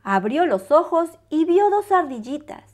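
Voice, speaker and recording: High, lively sing-song woman storyteller. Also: unhurried. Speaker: children's storybook reader. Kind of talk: expressive read-aloud storytelling for young children.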